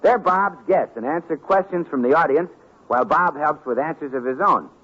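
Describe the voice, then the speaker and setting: A male radio announcer reading scripted promotions in a smooth, promotional manner, on an old radio transcription. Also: fairly high pitch, moderate pace, fairly bright tone, highs cut off.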